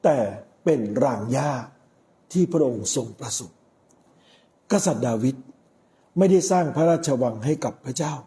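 Casting: middle-aged male priest, very dark mellow tone, unhurried sermon delivery with pauses. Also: on the high side, animated. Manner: measured, with frequent pauses. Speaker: Catholic priest.

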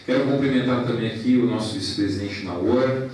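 A man in his forties, president of a professional council, giving a formal ceremony speech into a handheld mic in a large hall. He speaks in a measured way, listing thanks and points with pauses. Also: mid-range voice, a little mellow, slight background noise. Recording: echoey hall from a distance.

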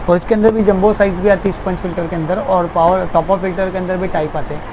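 A man's voice: high voice, fairly even intonation, quick pace, noisy background. A young man who runs an aquarium shop, explaining at length in a casual, repetitive way, seated in his small shop.

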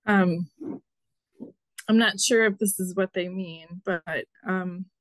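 A young woman answers a question slowly and with care, pausing often. Her voice is hoarse and wearing out. The sound is close and dry. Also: on the low side, steady tone, no echo, rough recording. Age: young adult. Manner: slow, thoughtful, hesitant. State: hoarse, coughing. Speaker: panelist, lay Zen teacher. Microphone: video call.

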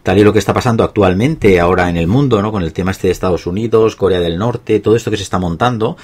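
Podcast host, man, very low husky voice, chatty. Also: quick pace, darkish tone. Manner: chatty, lots of fillers and affirmations. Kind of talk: podcast interview conversation.

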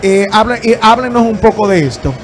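A man in his thirties hosting a TV interview at a trade fair, upbeat and quick with his questions on a handheld mic. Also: high-pitched, music in the background. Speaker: TV show host. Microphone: handheld microphone.

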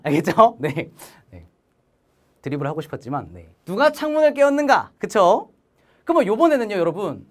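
Animated woman teaching grammar. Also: mid-range voice. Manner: animated, sing-song teaching with playful asides. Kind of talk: lively online grammar lecture.

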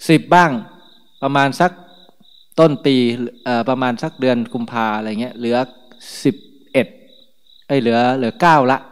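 A male monk gives an easygoing morning sermon in a conversational tone and laughs lightly between remarks. His mid-pitched voice rings out with a long hall reverb. He sounds unhurried and informal, like he is talking with his listeners. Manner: chatty and relaxed, laughs often between remarks. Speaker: Buddhist monk.

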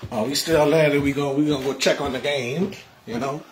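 A man hosting a casual home livestream, rambling with many repeats and soft trailing endings. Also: medium pitch, fairly even intonation, brisk, a little hiss or hum. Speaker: livestream host. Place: home, indoors.

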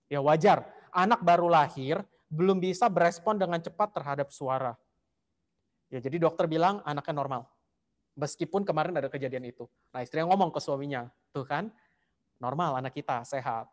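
Man speaker with a high voice, lively storytelling, long hall reverb. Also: a little fast. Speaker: speaker at a temple talk series. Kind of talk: storytelling talk. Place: large temple hall.

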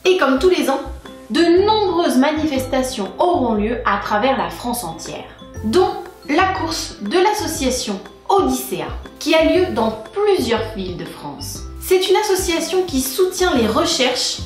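Lively woman vlogger, echoey room. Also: sits high, unhurried. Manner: lively, playful asides. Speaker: breastfeeding channel host. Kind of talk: informative vlog monologue. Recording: echoey room with faint music.

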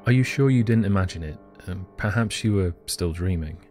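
Man acting calm deep-voiced therapist. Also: faint music behind, close to an everyday voice. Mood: calm, probing. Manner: measured, polite questioning. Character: calm, probing male therapist questioning a troubled patient. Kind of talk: audio drama acting.

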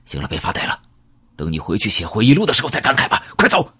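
A man's voice: lowish voice, huge pitch swings, fast talker, pushed and bright, exaggerated voice. A man voicing a tough, foul-mouthed young male gunman who talks curtly and swears. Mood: brusque. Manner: gruff, curt, swearing.

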